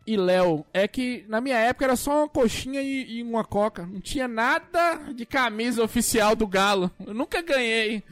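High-voiced man hosting a podcast. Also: lively intonation, normal speed, few pauses, fairly bright tone. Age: 30s. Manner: teasing, jokey. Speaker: podcast host. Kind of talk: casual podcast chat.

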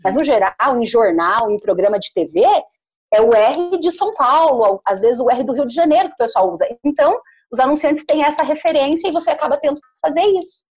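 A commercial voice-over artist from Paraná, Brazil, speaks with the caipira country accent of the state's north, her voice sitting high with lively intonation. She talks a little fast and explains things emphatically in a casual interview, with good clear diction despite dull audio.

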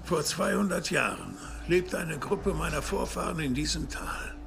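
An actor playing a wary, solemn old Native American man who speaks slowly and gravely in a dubbed TV drama. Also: a little high, expressive, noisy background. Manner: slow, grave, deliberate storytelling. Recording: music clearly underneath the voice.

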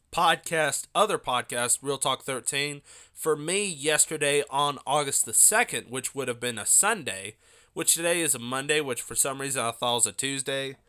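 With a medium pitch, a sharp tone and a smooth delivery, a young podcast host talks casually on his own show. His speech wanders loosely, dotted with fillers and asides.

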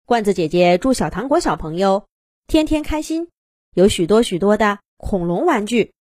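A woman narrating a scripted fairy tale for young children in an animated, expressive storytelling manner. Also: medium pitch, moderate pace, no echo, studio quality.

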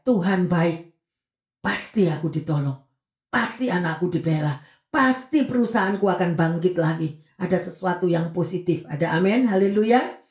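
A woman pastor giving a sermon, lively and conversational, acting out little quotes as she talks. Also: a little high, reverberant.

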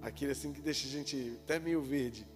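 A man preaching a sermon, telling the story in lively, slangy style and acting out the dialogue. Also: mid-range voice, a little fast. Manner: lively storytelling with colloquial jokes and acted-out dialogue. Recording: hall reverb with faint music.

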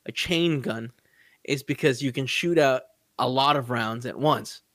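A man's voice: mid-range voice, a little slow, fairly bright tone, no room sound, clean studio sound. A man co-hosting a podcast, talking animatedly and pushing his point, swearing and restarting sentences. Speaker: podcast co-host. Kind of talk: casual chat.

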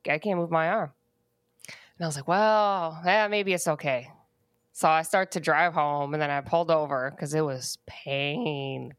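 A woman's voice: low-pitched, no echo, clean studio sound. A young woman co-hosting a podcast, chatting casually and acting out bits of dialogue as she tells a story. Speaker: podcast co-host. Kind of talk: casual chat. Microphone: studio podcast mic.

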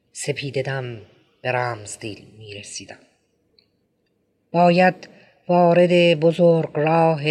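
A man reading a novel aloud as an audiobook narrator, expressive, lifting his voice for quoted lines. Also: a little high.

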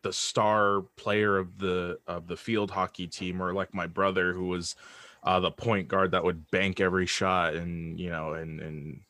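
A man's voice: sits low, fairly bright tone, no echo, studio quality. A man being interviewed as a guest, speaking casually and reflectively in a hesitant, self-deprecating way. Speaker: interview guest, audio drama writer.

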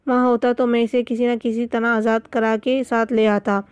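A woman's voice: on the high side, flat delivery, smooth, dry recording, lightly acted. A woman voicing a boastful, teasing male jungle monkey in a read-aloud storybook.

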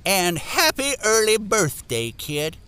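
A man's voice: high-pitched, huge pitch swings, slow, sharp tone, smooth, heavily acted. An actor playing an eerie, folksy man who foretells storms in a menacing, dramatic manner for an audio drama. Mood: ominous.

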